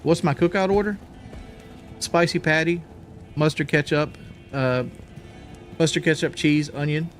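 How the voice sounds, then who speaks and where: A man's voice: fairly high pitch, fairly even intonation, a little slow, pauses often, soft background music. A man chatting casually on a live stream, out of breath after a workout, rambling and repeating himself as he talks.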